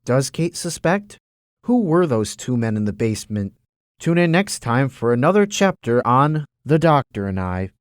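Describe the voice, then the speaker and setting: A man's voice: medium pitch, sing-song, normal speed, dry recording, studio quality. Suspenseful male serial-drama narrator. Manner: suspenseful announcer delivery.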